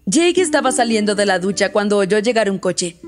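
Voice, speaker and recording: A woman narrating a romance audiobook in a smooth, even storytelling manner. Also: mid-range voice, brisk, music in the background.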